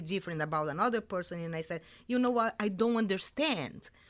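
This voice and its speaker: In a strong Brazilian accent, the voice rises and falls with lively intonation on a very clean recording with a silent background. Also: woman. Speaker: small business owner. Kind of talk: interview conversation.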